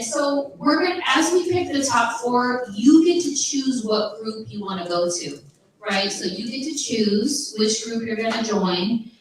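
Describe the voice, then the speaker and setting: A woman facilitating a live workshop, upbeat and encouraging, repeating instructions to the crowd. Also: on the high side. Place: large conference room. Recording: echoey room, voice from far off.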